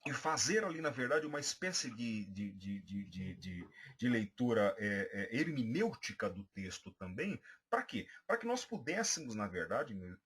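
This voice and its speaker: Man, Brazilian Portuguese accent, pastor teaching a class, husky voice, lively swooping pitch, hesitant with fillers. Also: moderate pace, hardly any pauses. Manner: hesitant, many fillers and restarts, addresses listeners as brothers. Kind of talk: recorded class for church members.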